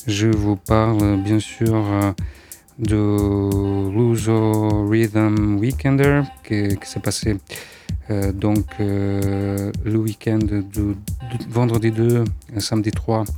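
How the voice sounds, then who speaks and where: A man's voice: fairly low pitch, mellow. A male radio host presenting casually, with frequent hesitations and fillers.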